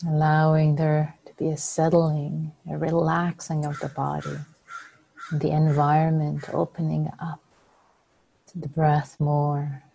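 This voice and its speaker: A woman with a low, mellow voice leads a guided meditation. Her delivery is very slow and soft, with long pauses. The tone is breathy and soothing, at times nearly whispered. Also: monotone, low-quality recording. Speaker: meditation teacher.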